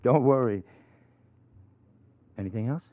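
An actor playing an uneasy small-time parolee and schemer in a 1940s radio crime drama, hesitant when pressed. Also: male voice, mid-range voice, measured pace, a little hiss or hum, close to an everyday voice. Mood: defensive. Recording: thin, tinny 1940s radio recording.

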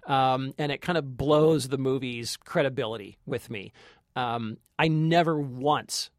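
A man's voice: mid-range voice, a little slow, no echo, studio quality. A man co-hosting a film review podcast, talking conversationally and reflectively, repeating phrases for emphasis. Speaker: podcast co-host, film critic.

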